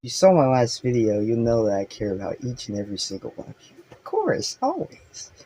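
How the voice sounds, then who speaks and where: A man speaking straight to camera in a halting, hesitant way, full of fillers and restarts, with an unsettling edge. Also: mid-range voice, huge pitch swings, mellow, slight background noise, poor audio. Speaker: online video host. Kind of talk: monologue to camera.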